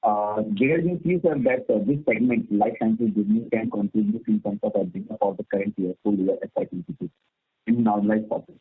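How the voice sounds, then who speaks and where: A man with an Indian accent asks questions on a business conference call in a deferential, probing way. His voice is husky and mid-pitched. It comes through a narrowband phone line with little room sound. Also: big pitch swings, brisk, no echo, faint music behind. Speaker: analyst questioning company management on an earnings call.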